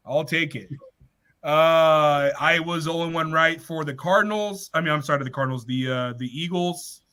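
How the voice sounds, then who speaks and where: This man hosts a casual sports chat on an online call, keeping the picks moving. His voice sits a little high and rings bright. He teases his friends and corrects himself as he goes. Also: moderate pace, clear, resonant tone. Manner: upbeat, teasing, corrects himself. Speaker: host running weekly picks.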